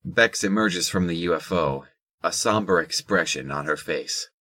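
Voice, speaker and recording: A man's voice: low voice, moderate pace, sharp tone, no echo. A man reading scripted third-person narration for an audio drama.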